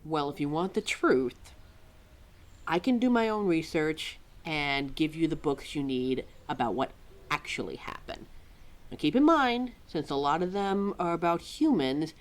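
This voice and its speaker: A woman's voice: low-pitched, a little slow. A woman playing a chatty, indignant keeper of forgotten lore in an ad-libbed audio roleplay, rambling and often talking to herself. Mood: helpful, chatty. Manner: rambling, talks to self, animated, sighing.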